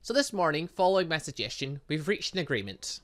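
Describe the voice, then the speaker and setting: A man's voice: fairly high pitch, very animated, a little fast, fairly bright tone. A young man doing casual let's play commentary, rambling and mildly sweary, stumbling as he reads game text aloud. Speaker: gaming channel host.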